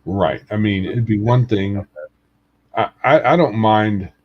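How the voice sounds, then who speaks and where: A man's voice: fairly low pitch, slow. A man on a gaming podcast speaking casually, hesitant and full of ums. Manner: hesitant, many fillers. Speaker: podcast co-host. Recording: dull lo-fi audio.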